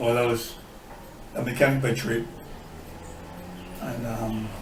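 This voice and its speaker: Speaking at a fairly slow pace, a man uses monotone, flat intonation at medium pitch. There is audible room echo and noticeable background noise. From Grenada. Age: 70s. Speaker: entrepreneur. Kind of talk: interview.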